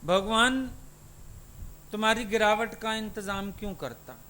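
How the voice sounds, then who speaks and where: Slow high-voiced man giving a sermon. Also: bright, forceful tone. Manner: questioning, teaching to listeners. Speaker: spiritual teacher. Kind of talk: satsang sermon.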